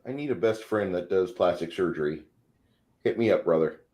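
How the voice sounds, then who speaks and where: A man's voice: low-pitched, brisk, darkish tone. A man in his forties co-hosting a casual livestream, talking bluntly and swearing freely. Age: 40s. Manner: blunt, profane. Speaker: show co-host.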